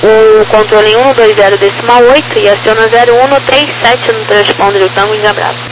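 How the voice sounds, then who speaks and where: A woman's voice: fairly high pitch, fairly even intonation, a little fast. A Brazilian woman working as an air traffic controller, giving clipped procedural instructions digit by digit over crackly aviation radio. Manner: procedural, reading figures digit by digit.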